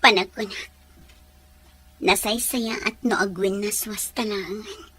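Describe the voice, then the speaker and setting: An actress playing a hurt, gentle young woman in a radio drama, pleading and resigned. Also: medium pitch, steady tone, unhurried, husky. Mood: hesitant, sad. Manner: pleading, sorrowful.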